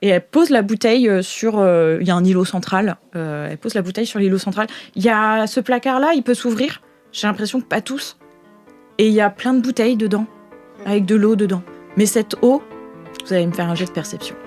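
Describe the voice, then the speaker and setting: A woman's voice: mid-range voice, a little fast, a little mellow, faint music behind. A woman narrating an improvised tabletop game as game master, in an informal, descriptive and hesitant way.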